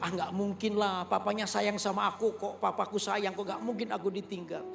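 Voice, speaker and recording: A man's voice: high-pitched, flat delivery, normal speed, vocal fry, a bit bright, echoey room, faint music behind, heavily acted. A man voicing a cheeky, stubborn little boy who pleads, quoted inside a sermon story. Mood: sure.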